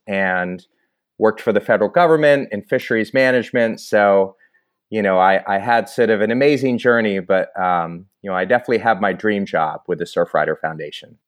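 A man from New England, a guest on a podcast, talking in a measured, easygoing way with many "you knows". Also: fairly low pitch. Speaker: environmental director, guest. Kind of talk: casual podcast interview.

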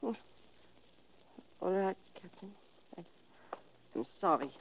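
A woman's voice: lowish voice, expressive, very slow, gravelly, heavily acted. A woman acting as a vengeful, intense young foreign woman speaking broken English in a 1950s radio drama. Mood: confused, subdued. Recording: muffled noisy old radio recording.

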